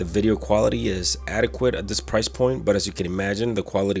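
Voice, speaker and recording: With music playing behind him, a man talks at a very fast pace with ordinary pitch variation. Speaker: product reviewer. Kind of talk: product review narration.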